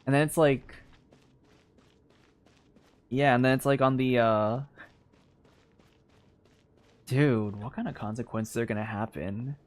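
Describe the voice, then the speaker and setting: A man's voice: medium pitch, takes it slowly, pauses often. A man streaming a game with casual, rambling commentary, thinking aloud as he goes. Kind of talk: casual live gameplay commentary.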